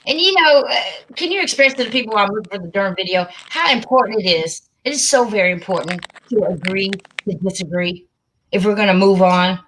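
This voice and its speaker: Bright excitable woman livestreaming. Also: mid-range voice, rough recording. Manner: excitable, chatty, mutters to herself while searching. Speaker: livestream host. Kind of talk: casual livestream chat.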